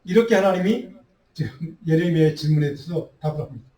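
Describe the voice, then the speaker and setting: A man's voice: fairly high pitch, animated, fast talker, dark tone. A male pastor preaching a midweek Bible study sermon, earnest and full of rhetorical questions. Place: church sanctuary. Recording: roomy echo, voice heard from a distance.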